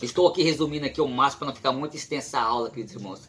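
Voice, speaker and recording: This man speaks. His pitch is fairly high. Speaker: Bible school teacher. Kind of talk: lecture. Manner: halting.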